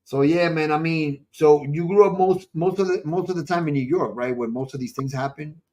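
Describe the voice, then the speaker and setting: A man with a slightly high voice hosts a casual live online show. He chats with his guest and viewers in an exclamatory way, often repeating himself. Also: brisk, warm tone.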